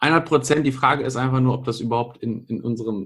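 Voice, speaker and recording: A man's medium-pitched voice is somewhat breathy. He talks at a fairly quick pace. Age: 30s. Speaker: former pro cyclist, network marketer. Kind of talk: casual interview. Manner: hesitant, many fillers.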